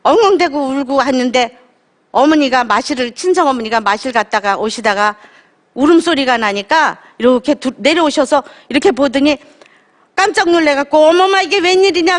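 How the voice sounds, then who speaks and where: A woman's voice: high-pitched, in a large hall. A woman giving an emotional, conversational lecture about her own life on stage. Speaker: lecture guest speaker. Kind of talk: emotional personal storytelling lecture. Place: lecture stage before an audience.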